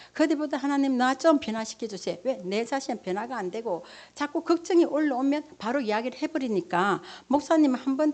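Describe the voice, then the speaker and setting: A middle-aged pastor's wife preaches through a personal testimony, her fairly high voice full of feeling. She acts out her own prayers and conversations as she tells the story. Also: a little mellow. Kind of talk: testimony sermon.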